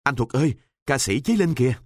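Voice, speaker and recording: A man's voice: mid-range voice, lively intonation, fairly quick, no echo, clean studio sound, pitched above the performer's own voice, natural voice. A man voicing a naive, wide-eyed teenage schoolboy. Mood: curious. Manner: wide-eyed, asks a lot of questions.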